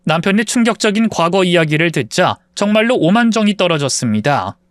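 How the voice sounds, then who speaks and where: A man narrating a dramatized first-person story in a calm, steady way. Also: sits high, a little fast, no echo.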